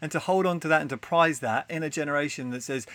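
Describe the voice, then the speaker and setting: In an ordinary speaking voice, a man with fairly high pitch talks at a fairly quick pace with lively intonation, recorded very cleanly against a silent background. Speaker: podcast host. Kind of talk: interview conversation.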